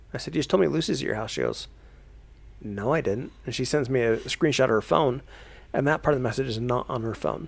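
Very fast speech from a man with an American accent. His intonation is lively, with vocal fry. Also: medium pitch for a man. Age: 40s. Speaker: paranormal investigator, retired police officer. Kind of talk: casual chat.

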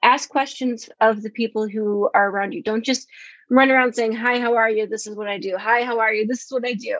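An unremarkable speaking voice from a woman with an American accent, fairly high in pitch, fairly even in intonation, fairly quick, with big swings in loudness. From Buffalo area, New York. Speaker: entrepreneur, digital marketing business owner. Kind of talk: casual interview conversation.

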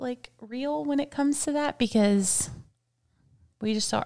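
A soft-spoken woman at a very slow pace, with ordinary pitch variation. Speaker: podcast co-host. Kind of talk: casual chat. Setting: studio.

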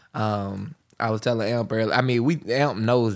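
A man talks with fairly even intonation. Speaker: podcast co-host. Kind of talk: casual chat. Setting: studio. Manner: loud.

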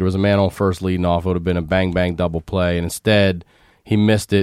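An American-accented man with a very deep, low pitch speaks at a very fast pace, recorded dry and close with no echo in a very clean recording with a silent background. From Baltimore, Maryland. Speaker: stand-up comedian and podcaster. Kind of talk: casual chat.

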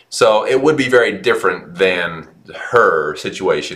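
A man's voice at a moderate pace, with audible room echo. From US, FLDS polygamous community (Utah/Arizona border). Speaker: podcast co-host. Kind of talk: casual chat.

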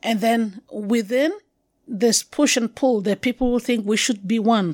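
In a Cameroonian accent, a woman speaks at a fairly high pitch and fairly slow pace with ordinary pitch variation, the sound dry and close with no echo. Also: very clean recording, silent background. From Anglophone Cameroon (Kumba). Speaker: professor and poet. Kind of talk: interview. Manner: halting.

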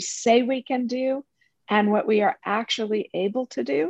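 A woman in an American accent has an unremarkable speaking voice with ordinary pitch variation. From California. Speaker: think tank scholar. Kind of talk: casual chat.

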